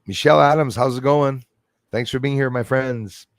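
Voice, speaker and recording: A man's voice: medium pitch, moderate pace, dry recording, clean studio sound. A man hosting a livestream, talking casually to his chat in a meandering way, repeating himself and chuckling between thoughts. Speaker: livestream host reading chat. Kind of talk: rambling casual livestream talk.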